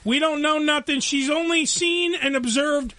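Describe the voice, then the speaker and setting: A brash, joking host with a New York accent, his voice pitched unusually high for a man. The tone is bright and cutting as he swears freely and riffs on the people around him in loose, casual chat. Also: moderate pace.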